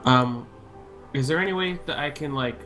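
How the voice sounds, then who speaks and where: A man's voice: mid-range voice, normal speed, bright, forceful tone, faint music behind. A man chatting casually as a player in an online tabletop game, working out his moves.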